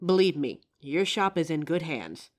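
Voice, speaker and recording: A woman's voice: sits low, lively intonation, moderate pace, heavy background noise. A woman playing a young psychic, earnest, confident and helpful, in a scripted roleplay audio drama. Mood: polite, assured. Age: young adult. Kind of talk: scripted roleplay audio acting, addressing the listener.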